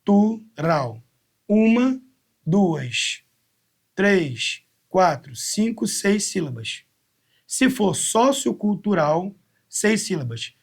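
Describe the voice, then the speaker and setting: Man, Brazilian Portuguese accent, high-pitched voice, live class teacher, step-by-step explanations, close mic. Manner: explains step by step, counting syllables out slowly. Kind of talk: live online exam-prep lesson.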